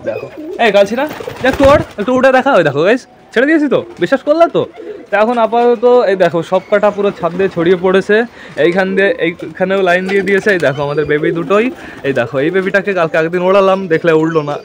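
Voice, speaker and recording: Quick high-voiced man vlogging with pigeons. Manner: chatty, addresses viewers as guys, coaxes his birds. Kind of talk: casual vlog commentary to viewers. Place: rooftop with pigeons. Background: pigeons cooing.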